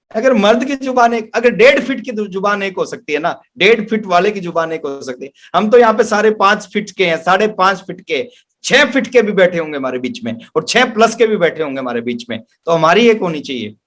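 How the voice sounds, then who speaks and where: High-pitched male motivational speaker. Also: animated, a little fast, a bit bright. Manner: emphatic, repeats phrases for effect. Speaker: business trainer, motivational speaker. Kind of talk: motivational sales training talk with anecdotes. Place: online webinar.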